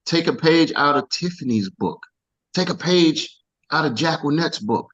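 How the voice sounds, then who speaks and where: A man coaching a team on a video call, energetic and casual, repeating himself for emphasis. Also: fairly high pitch, measured pace, dull audio.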